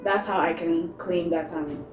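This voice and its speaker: A young woman talks in a slightly low voice at a very unhurried pace. She chats casually, pausing to find her words. The room is echoey, with faint music underneath. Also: steady tone. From born in Canada, partly raised in Ghana. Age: 20s. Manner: halting, thinking aloud. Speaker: co-host. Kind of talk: casual chat.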